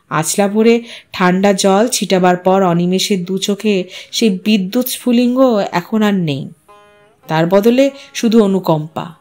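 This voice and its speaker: A woman narrating a literary story in an expressive, measured, dramatic way. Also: mid-range voice.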